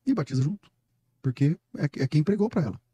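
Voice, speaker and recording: Middle-aged Brazilian pastor as guest, quick and emphatic, warm husky tone. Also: male voice, on the high side, lively intonation, dry recording. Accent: Brazilian Portuguese. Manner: emphatic, storytelling, preacher-like. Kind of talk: casual podcast conversation.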